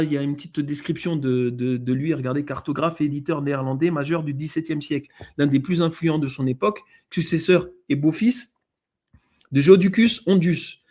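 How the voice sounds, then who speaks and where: Man with an accent, somewhat high-pitched, hesitant, reading and explaining slides as a show guest. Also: darkish tone. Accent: non-native-sounding accent in French. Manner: hesitant, many fillers and restarts while reading aloud. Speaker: guest presenter.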